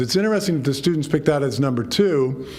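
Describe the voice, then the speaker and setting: Over noticeable background noise and audible room echo, a man with an American accent speaks at a fairly high pitch with ordinary pitch variation. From New Jersey. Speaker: superintendent search consultant. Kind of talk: presentation to school board. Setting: public meeting. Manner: fast.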